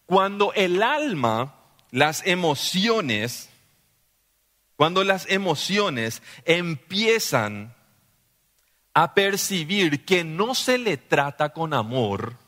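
Bright-voiced preacher. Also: male voice, on the high side, very slow. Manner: animated preaching, often asks listeners "¿sí?". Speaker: pastor. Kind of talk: sermon. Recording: long hall reverb.

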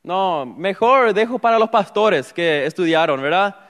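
A man's voice: sits high, animated, measured pace, fairly bright tone, big-room sound. A young man with a Paraguayan Spanish accent giving an earnest sermon testimony, acting out his inner thoughts as he tells his story. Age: young adult. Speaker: preacher.

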